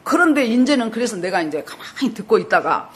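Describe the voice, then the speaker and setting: A woman's voice: on the high side, very animated, a little fast. A woman pastor in her sixties preaching in a storytelling way, acting out dialogue and repeating words for emphasis. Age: 60s. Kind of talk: storytelling sermon.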